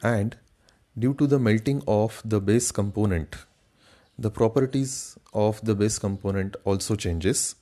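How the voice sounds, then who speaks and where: A man's voice: lowish voice, measured pace, dark tone. A man giving a methodical slide lecture, reading each point and then restating it in his own words. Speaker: engineering lecturer.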